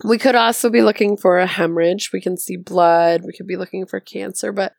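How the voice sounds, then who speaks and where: A woman with a hoarse voice hosting a medical exam podcast, reading a case question and reasoning through the answer step by step. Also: medium pitch, steady tone, a little fast, no room sound. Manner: methodical, thinks aloud step by step. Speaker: podcast host teaching medicine. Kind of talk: explaining a board exam question.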